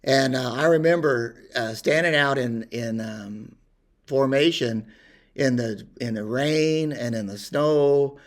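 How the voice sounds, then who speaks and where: An older man telling a personal story in a rambling, unhurried way with many pauses and fillers. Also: medium pitch. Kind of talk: casual spoken reminiscence.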